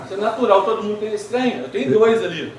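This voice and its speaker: A man's voice: sits high, lively intonation, fast. A man with a Brazilian Portuguese accent giving a talk at a spiritist center, speaking conversationally, asking the audience questions and telling humorous anecdotes. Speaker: spiritist lecturer. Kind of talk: lecture to an audience. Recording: echoey hall, distant mic, faint noise.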